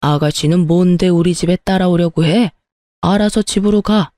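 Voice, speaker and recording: A woman reading as a stern older man, a father-in-law, scolding bluntly in a mellow, low-key tone. His voice is dry and close, as in a read-aloud story. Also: moderate pace, dry recording, natural voice.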